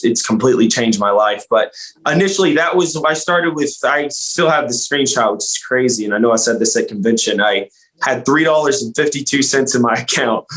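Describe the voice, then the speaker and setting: An earnest young man speaks as a podcast guest, his voice sitting in a middle pitch. He rambles, restarts and leans on fillers as he talks. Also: low-quality recording. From Louisiana. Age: young adult. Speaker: guest, insurance agent. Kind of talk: casual podcast interview.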